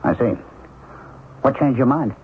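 Male actor courteous police lieutenant, probing, informal, animated pitch, 1970s radio play, narrow tinny audio. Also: lightly acted. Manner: polite, measured, informal. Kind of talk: 1970s radio drama acting. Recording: tinny old radio recording, faint noise.

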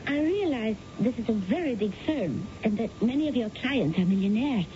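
An actress playing a proud but self-deprecating widow in a radio drama, speaking in a precise, insistent way. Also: female voice, expressive, moderate pace, close to an everyday voice. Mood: modest, pointed. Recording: dull, noisy old radio broadcast with rumble.

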